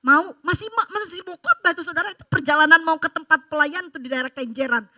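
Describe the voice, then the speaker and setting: A woman pastor preaches to her congregation. Her voice sits high and rings very bright, telling stories with animation and pressing each point with emphasis. The sound is close and dry. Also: fast talker, no echo. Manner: animated storytelling, emphatic exhortation. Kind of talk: sermon. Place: church service.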